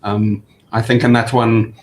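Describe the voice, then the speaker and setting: Hesitant man with flat delivery, faint rumble. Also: measured pace. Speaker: football fan panellist. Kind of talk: casual post-match analysis. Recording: faint rumbling background noise.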